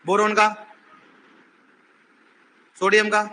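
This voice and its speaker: A male teacher in a classroom, drilling his students with questions and teasing them when they falter. His voice sits high and cuts through sharply. Faint room noise runs under the recording. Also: completely flat delivery, takes it slowly. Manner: says he is shouting while teaching. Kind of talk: classroom lecture.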